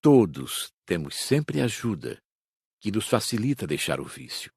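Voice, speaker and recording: A man playing a wise, patient spirit mentor in an audiobook, giving deliberate, didactic counsel. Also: fairly low pitch, sing-song, gravelly, a little mellow, breathy edge, no room sound, exaggerated voice. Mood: earnest counsel.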